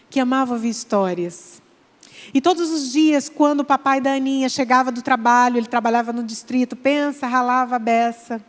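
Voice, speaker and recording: A woman from Manaus with a Brazilian accent, a psychologist giving an animated sermon, speaking directly to the congregation. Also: fairly high pitch. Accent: Brazilian Portuguese, Manaus. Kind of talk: church sermon. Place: large church hall. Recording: long church hall reverb.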